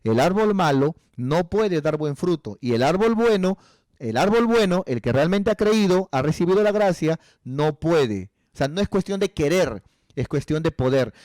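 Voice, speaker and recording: Male pastor, pleading sermon delivery, higher voice, dry recording. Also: expressive, moderate pace, a little mellow, dry recording. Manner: earnest, pleading, acts out dialogue.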